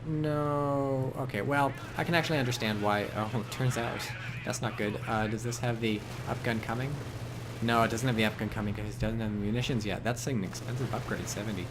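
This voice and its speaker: A young man casting a strategy game match in a rambling, joking way, with excited bursts when the action heats up. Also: mid-range voice, background noise. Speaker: game commentator. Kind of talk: casual video game commentary.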